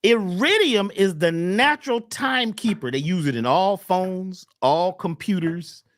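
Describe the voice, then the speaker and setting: A man talking as a wellness coach on a talk show, emphatic and repetitive, often jumping high on key words. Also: expressive, measured pace, fairly bright tone, no room sound, clean studio sound. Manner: emphatic, repeats phrases, swoops up on key words. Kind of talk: animated talk-show conversation.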